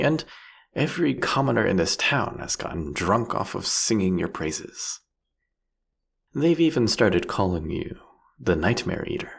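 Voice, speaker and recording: Male actor as vampire king, low-pitched, swooping intonation, seductive, mocking, eloquent, theatrical, fantasy audio roleplay. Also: gravelly, a bit bright, slightly rough, full character voice. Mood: sardonic. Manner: theatrical, teasing, eloquent, drawn-out phrasing.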